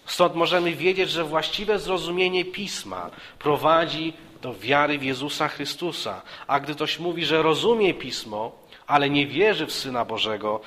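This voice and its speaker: A man preaching a sermon, earnest and repeating himself with small restarts, rising for emphasis and dropping low and soft. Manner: earnest, repeats phrases with restarts, rises for emphasis and drops softly.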